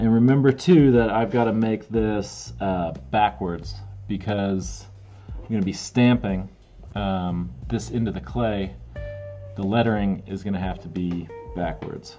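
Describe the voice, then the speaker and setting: Faint music plays in the background as a man speaks fairly slowly at a fairly low pitch. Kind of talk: live-stream tutorial chat. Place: workshop.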